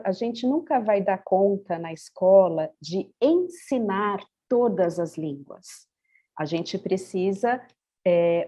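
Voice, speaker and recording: Brazilian woman panelist, warm mellow tone, hesitant reflective delivery. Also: mid-range voice. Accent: Brazilian Portuguese. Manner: thoughtful, many hesitations and restarts. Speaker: panel speaker on bilingual education. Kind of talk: panel discussion answer.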